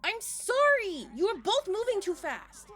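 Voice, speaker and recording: A woman playing a flustered, impulsive necromancer heroine in an audio drama, urgent and excitable. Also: very high-pitched, measured pace, exaggerated voice.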